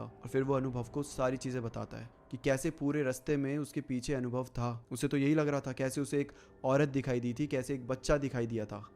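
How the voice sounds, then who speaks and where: A man's voice: mid-range voice, slight background noise. Man telling a horror story casually. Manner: conversational, relaxed retelling with fillers. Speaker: horror story narrator and host.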